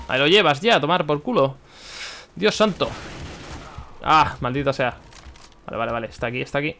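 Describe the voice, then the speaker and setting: A young man from commenting on his own gameplay, excitable, swearing and shouting at the game. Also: fairly high pitch, slight background noise. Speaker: gaming YouTuber.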